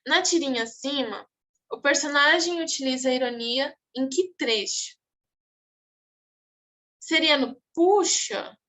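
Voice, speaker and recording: A woman's voice: sits high, measured pace, pauses often, pushed and bright. A woman teaching a class, going over exam answers and checking in often with her students. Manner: explanatory, checks in with "tá bom?". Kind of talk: online exam review class.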